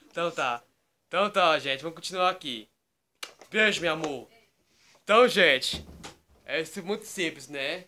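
Man, higher bright voice, rambling webcam vlog at home, endless tag questions. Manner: repeats "tá?" and "né?" constantly, loose digressive storytelling. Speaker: YouTube vlogger. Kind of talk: rambling casual talk to camera. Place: bedroom at home, indoors.

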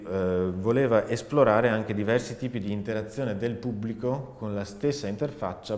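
A man's voice: on the low side, a little mellow. A man in his forties explaining his artistic work in an interview, thoughtfully, with searching restarts. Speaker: performing artist and sound researcher. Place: dark indoor studio, seated. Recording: roomy, reverberant hall sound.

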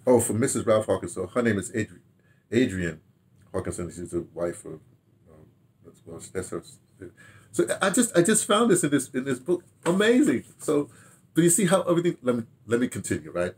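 An older man with a husky voice reminiscing casually to camera, halting and digressive as he muses aloud and repeats words. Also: mid-range voice, big pitch swings, darkish tone. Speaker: veteran radio drama director recounting career. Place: small furnished home room with bookshelves.

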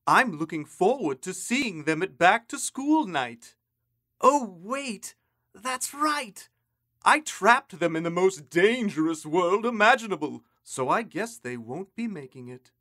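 A man's voice: sits high, sing-song, slow, pushed and bright, full character voice. A man voicing a gloating, mock-sweet young cartoon villain with a theatrical, mocking manner. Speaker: voice actor. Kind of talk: cartoon character acting in a demo reel.

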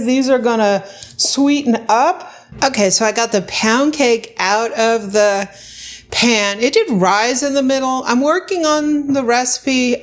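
A woman casually narrating her home cooking in a chatty, unscripted way, thinking aloud as she goes. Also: fairly high pitch. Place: home kitchen, indoors.

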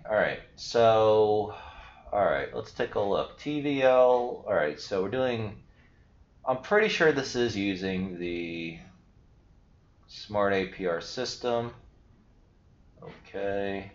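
A young man talks through a screen share in a loose, chatty way, filling gaps with "you know" and "all right". His voice sits a bit low. The sound is roomy and dull, like a basic desk setup in a small room. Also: expressive, slow. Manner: chatty, filler-heavy, explaining as he goes. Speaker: crypto video host. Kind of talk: casual screen-share walkthrough.

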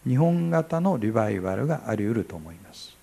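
Gravelly-voiced Japanese pastor preaching. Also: male voice, medium pitch, very animated, a little fast. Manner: chatty and humorous, acts out dialogues, shifts from quiet to loud. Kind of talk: sermon.

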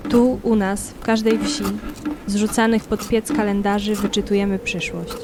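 A woman reciting poetry for an audio drama in measured, solemn, short phrases, with music behind her. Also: medium pitch, flat delivery, very noisy.

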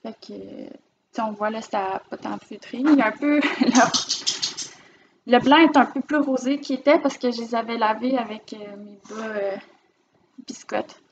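A woman's voice: a little high, normal speed, muffled recording, background noise. A woman with a Quebec French accent, chatting casually on camera as she shows off her finished knitting projects. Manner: chatty, rambling, warm about her projects. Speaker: knitting vlogger. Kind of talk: casual show-and-tell vlog. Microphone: camera mic, filming herself.

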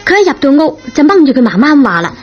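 A woman's voice: high voice, sing-song, racing. A woman giving scripted storytelling narration for a radio drama. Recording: dull lo-fi recording, music behind. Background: music.

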